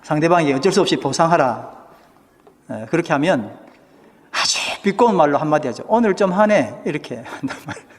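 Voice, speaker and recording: A male pastor with a slightly high voice, lively intonation and a somewhat fast pace preaches a sermon in church. He questions the congregation and acts out what people say, his words trailing into the long reverb of the church hall.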